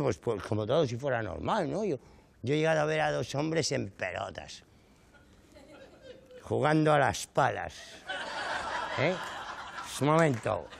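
Comedian with a gravelly voice. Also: male voice, on the high side, a little hiss or hum. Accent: Canary Islands Spanish. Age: middle-aged. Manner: exaggerated, indignant comic storytelling with rhetorical asides. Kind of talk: stand-up monologue. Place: studio stage before a live audience.

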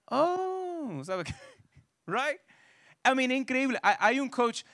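A high, bright male voice leading a parenting workshop for a church audience. He talks casually, restating every point twice and tossing questions to the room. The sound is dry and close, with no room echo. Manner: restates each point twice, switching back and forth; casual fillers like "right?" and "you know".

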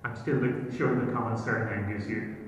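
A middle-aged Irish man giving a history lecture to a gathering, with a relaxed manner that tends to digress into stories. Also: medium pitch, moderate pace, slight background noise. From Ireland. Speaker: genealogy lecturer. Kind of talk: public lecture with slides. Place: hotel function room. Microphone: laptop screen recording, far from speaker. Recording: echoey distant hall audio.

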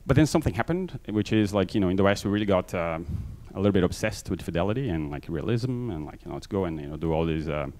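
A middle-aged man from Brazil with a mixed Brazilian accent gives a casual conference talk on a stage with a handheld mic, quick and full of fillers. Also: sits low, expressive, darkish tone. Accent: Brazilian Portuguese mixed. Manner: fast, filler-heavy, self-deprecating. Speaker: conference speaker. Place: large conference hall stage.

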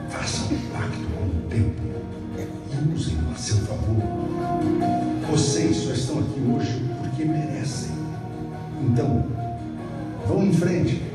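Middle-aged man, motivational speech. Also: medium pitch. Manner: measured, emphatic, with dramatic pauses. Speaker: motivational speaker. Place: video on a screen in a dark event hall. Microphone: phone filming the screen from the audience. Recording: echoey hall from far off with music.

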